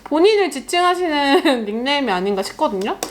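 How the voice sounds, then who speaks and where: A young woman doing a makeup vlog in casual chat, animated and laughing often as she reads comments. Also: high-pitched, a little fast. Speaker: beauty YouTuber. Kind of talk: get-ready-with-me makeup vlog.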